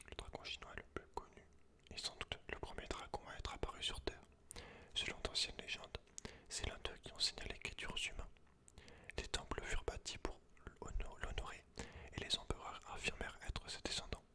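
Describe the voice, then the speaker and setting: A man speaks in a breathy, unvoiced whisper, informal and close to the listener, as in an ASMR reading. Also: brisk. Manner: informal, slangy, talks directly to one listener. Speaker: ASMR creator. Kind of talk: whispered ASMR, casual commentary and reading aloud from a book.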